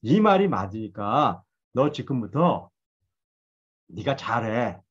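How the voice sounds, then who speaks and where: A man's voice: medium pitch, sing-song, slow pace, husky, dull audio, exaggerated voice. A man voicing a self-righteous male friend who scolds and lectures in a hectoring way. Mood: lecturing.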